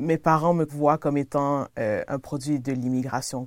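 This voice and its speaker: Very clean recording with a silent background, a woman with a very deep, low pitch at a moderate pace. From Quebec, Le Gardeur suburb. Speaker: interviewee. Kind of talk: interview testimony. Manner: halting.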